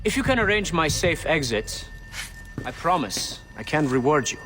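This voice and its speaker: A man's voice: a little high, sing-song, normal speed, over music, poor audio. An actor playing a frightened, slippery black-market broker in a video game, formal and evasive as he bargains. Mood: bargaining. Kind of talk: video game cutscene acting.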